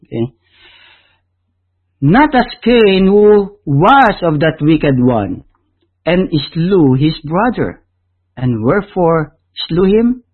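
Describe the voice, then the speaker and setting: Man, Filipino accent, sermon, high-pitched, breathy, phone-like audio. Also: big pitch swings, takes it slowly, pauses often. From Philippines. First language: Tagalog. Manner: emphatic, swings from loud high stresses to low drops. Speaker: preacher.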